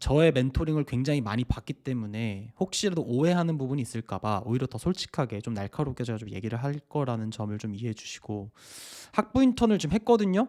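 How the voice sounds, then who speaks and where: A man speaks at a fairly quick pace in a dark, mellow tone with very wide pitch swings, on a very clean, dry, close recording with a silent background and no echo. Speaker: online mentor and engineering lecturer. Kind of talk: mentoring session, casual advice chat. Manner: frank, somewhat sharp tone.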